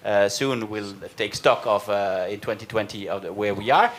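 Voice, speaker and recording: A man's voice: on the low side, normal speed, fairly bright tone, slight background noise. A man moderating a panel discussion, speaking hesitantly with many fillers and polite restarts.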